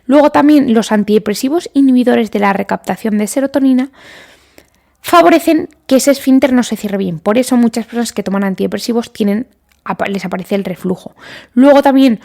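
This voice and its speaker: A woman's voice: a little high, fairly quick, vocal fry, darkish tone. A woman doctor, hosting a casual medical podcast and explaining treatments while sometimes acting out her listeners' questions. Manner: conversational, lists items, acts out listener questions.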